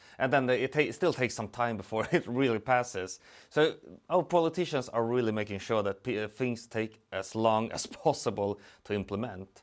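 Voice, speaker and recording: A man with a Swedish accent on a very clean recording with a silent background. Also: medium pitch for a man, ordinary pitch variation, fairly quick pace. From Sweden. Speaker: interviewer. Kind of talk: interview. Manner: halting.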